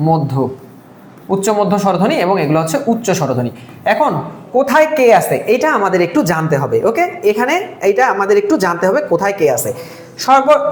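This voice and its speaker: Woman teacher for a live exam-prep stream, rapid delivery, repeats key terms, roomy echo. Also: mid-range voice, a little hiss or hum. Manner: repetitive drilling, asks and answers own questions.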